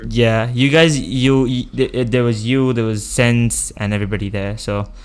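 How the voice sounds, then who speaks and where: A man's voice: mid-range voice, steady tone, normal speed, clean tone. A man hosting a casual podcast chat over a call, talking in a chatty, hesitant way and laughing often. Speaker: podcast host.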